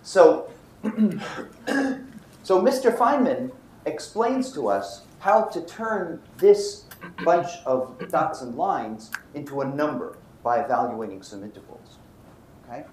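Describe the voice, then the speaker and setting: An older man from Brooklyn giving a university physics lecture, animated and often checking in with his students. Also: fairly high pitch, slow. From Brooklyn, New York. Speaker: physics professor. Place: lecture hall. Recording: roomy lecture hall, faint noise.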